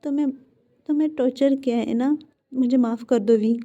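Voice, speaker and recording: A woman voicing a remorseful male mafia boss who begs his lover for forgiveness, with halting repeated words. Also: high-pitched, steady tone, dark tone. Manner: pleading, apologetic, halting repeats. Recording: dull lo-fi recording.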